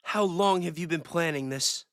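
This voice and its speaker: A woman's voice: on the low side, normal speed, dry recording, studio quality, lightly acted. A woman reading the part of a worried, devoted lover in an earnest, theatrical script read. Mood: shocked. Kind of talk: mock-dramatic script reading with improv.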